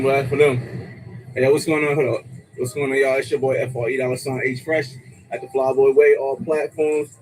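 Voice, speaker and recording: A man's voice: on the high side, darkish tone, a little hiss or hum, low-quality recording. A man vlogging on location outdoors, narrating upbeat into a handheld camera mic as he greets his viewers. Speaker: travel vlogger. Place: outdoors in public places. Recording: vlog clip with clear street ambience.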